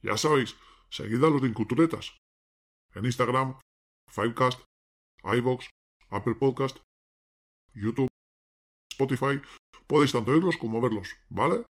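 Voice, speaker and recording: A man's voice: medium pitch, measured pace, pauses often, natural voice. A man playing a devilish podcast host from hell, teasing listeners in colloquial, casual speech. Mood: mocking, casual. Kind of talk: casual in-character podcast sign-off.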